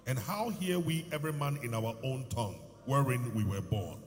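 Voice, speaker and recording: Man reading scripture, steady cadence, animated pitch, echoing hall. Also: moderate pace. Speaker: scripture reader.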